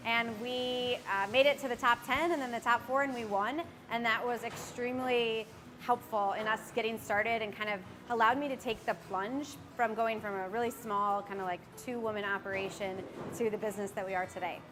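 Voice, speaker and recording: A woman's voice: a little high, fairly even intonation, normal speed. A young woman who owns a bakery, talking in an upbeat, conversational way in a documentary interview. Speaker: bakery owner. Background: background music.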